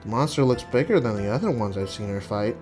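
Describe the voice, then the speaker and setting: A man's voice: on the low side, expressive, fast talker, over music, voice pushed down, close to an everyday voice. A man voicing a sulky, self-doubting teenage schoolboy in a story, muttering and hesitant. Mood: worried.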